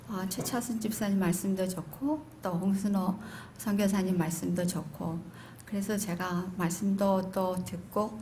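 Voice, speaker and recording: A middle-aged Korean woman introducing herself to a group in a hesitant, reflective way with pauses. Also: lowish voice, gravelly, darkish tone. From Korean living in California, United States. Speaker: seminar participant introducing herself. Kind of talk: halting self-introduction to a group. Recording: noticeable background room noise.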